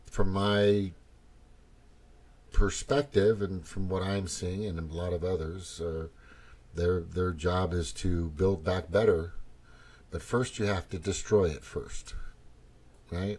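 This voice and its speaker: A man's very deep, low, somewhat breathy voice at a very slow pace, with long, frequent pauses, on a very clean recording with a silent background. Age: 60s. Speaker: political commentary video host. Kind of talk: casual political monologue. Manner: halting, many fillers and repetitions; animated, profane rant.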